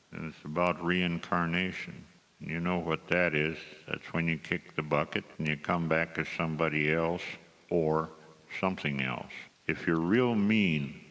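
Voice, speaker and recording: A man's voice: extremely low pitch, creaky, a bit bright. A man performing cowboy poetry live, with folksy, drawling rural phrasing in both his introductions and his verse.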